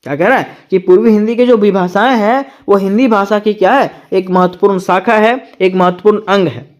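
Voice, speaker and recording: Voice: mid-range voice, a little fast. A teacher giving an exam-prep lecture who reads from notes, explains each point in plain words, and keeps turning it into a question for the listeners before answering it.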